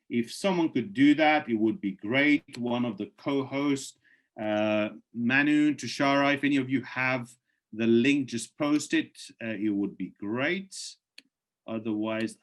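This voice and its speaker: A man speaking in a mid-range voice hosts a video call over his computer mic, growing hoarse and losing his voice after many presentations. One by one, he reads the chat's questions aloud and answers them, persuasively urging his listeners along.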